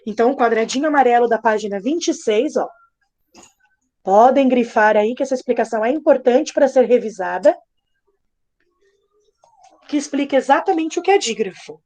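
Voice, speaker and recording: Young woman, high voice, playful and patient teacher spelling things out slowly for kids. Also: animated, a little mellow. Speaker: primary school teacher. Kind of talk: live online class lesson.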